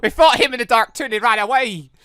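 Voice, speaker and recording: A young adult gaming host giving excitable, exasperated let's play commentary while reading visual novel dialogue aloud. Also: mid-range voice, fast, smooth, no room sound, clean studio sound. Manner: excitable, exasperated reactions between read lines.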